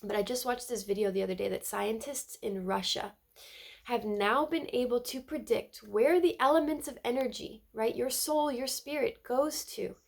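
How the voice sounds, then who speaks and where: A woman's voice: fairly high pitch, normal speed, vocal fry. Earnest woman with a stuffy cold. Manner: earnest, emphatic, repeats words and asks "right?". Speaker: spiritual tarot reader. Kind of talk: casual spiritual card reading to camera.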